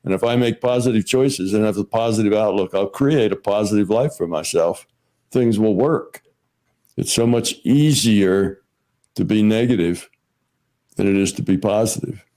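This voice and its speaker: A man's voice: lowish voice, moderate pace, warm tone. A man giving an explanatory talk in a plain, didactic manner. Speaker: speaker in a played clip.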